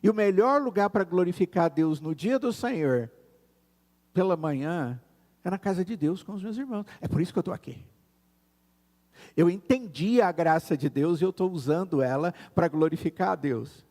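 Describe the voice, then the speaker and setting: A man with a Brazilian Portuguese accent preaching a sermon in a church, earnest and slowing down to stress key words. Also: sits high, animated, a little mellow, in a large hall. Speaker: pastor. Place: church sanctuary.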